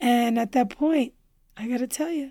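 The woman has a high pitch. She talks at a moderate pace. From North Jersey, US (Newark). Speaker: hairdresser. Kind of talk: casual chat.

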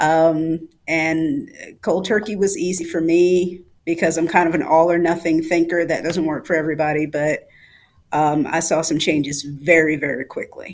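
A woman with a plain, everyday voice and an American accent speaks at a moderate pace, fairly low in pitch with fairly even intonation. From New Jersey. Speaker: college teacher. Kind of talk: interview.

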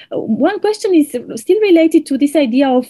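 With a Romanian accent, a woman speaks at a moderate pace in a dark, mellow tone, her pitch swinging very widely. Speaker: podcast interviewer. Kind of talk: interview. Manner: halting.

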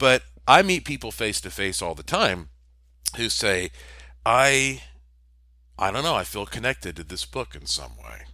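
A man with an American accent talks at a moderate pace in a fairly low pitch, with vocal fry and a bright, sharp tone. He sounds animated, with very wide pitch swings, big swings in loudness and long, frequent pauses, and the recording is very clean with a silent background. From US South, Asheville, North Carolina. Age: 40s. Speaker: podcast host and paranormal researcher. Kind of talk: solo podcast monologue. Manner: animated, with frequent stammers.

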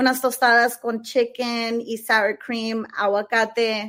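A woman talks at a very slow pace, her pitch fairly high. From Texas, Fort Worth. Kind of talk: interview. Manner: halting.

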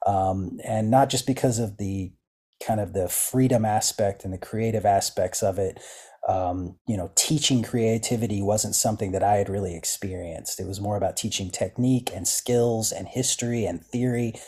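Somewhat breathy and dark, mellow in tone, a man talks at a moderate pace with fairly low pitch and fairly even intonation on a very clean recording with a silent background. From eastern Kentucky, Appalachia. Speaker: jazz saxophonist and music teacher. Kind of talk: interview conversation.

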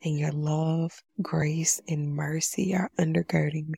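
In a dry, close recording with no echo, a woman speaks fairly slowly in a fairly low pitch, her somewhat breathy voice dark and mellow in tone and flat, monotone in intonation. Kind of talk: casual late-night solo monologue, with a read-out prayer. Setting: lying in bed at night.

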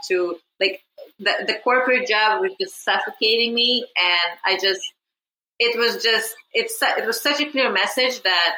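A woman with a Russian accent speaks at a fairly slow pace, her fairly high voice showing lively intonation and very even loudness. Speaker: life coach. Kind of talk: interview. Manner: halting.

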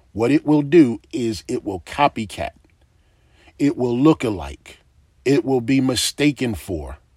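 Fairly slow speech broken by long, frequent pauses, in a dry, close sound with no echo. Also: man. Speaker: podcast preacher. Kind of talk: sermon. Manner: unscripted, off the cuff.

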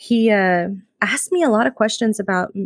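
At a moderate pace, a woman speaks in a normal speaking voice at medium pitch with fairly even intonation, the sound dry and close with no echo on a very clean recording with a silent background. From US Midwest, small rural town. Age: 30s. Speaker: domestic abuse survivor sharing her story. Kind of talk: personal testimony interview.

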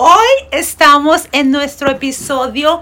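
A woman uses a raised, projected voice at a high pitch. She speaks very slowly. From Bogotá, Colombia. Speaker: Spanish teacher and podcast host. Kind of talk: casual chat.

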